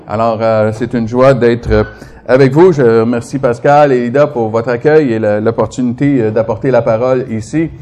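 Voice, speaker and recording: A man's voice: medium pitch, fairly even intonation, normal speed, dark tone. A man in his fifties from Quebec with a Québécois accent, preaching as a guest with a chatty, joking manner. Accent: Québécois French. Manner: humorous, chatty, joking with the congregation. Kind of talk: sermon.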